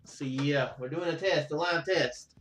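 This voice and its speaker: A man's voice: a little high, unhurried, fairly bright tone, soft background music, poor audio. A man giving casual let's play commentary as host of a gaming video, rambling and thinking aloud.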